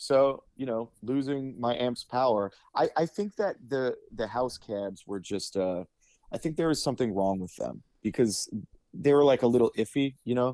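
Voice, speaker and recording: On a very clean recording with a silent background and a dry, close sound with no echo, a man with a dark, mellow tone and medium pitch speaks at a moderate pace with lively intonation. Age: young. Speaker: band singer. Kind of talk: casual chat.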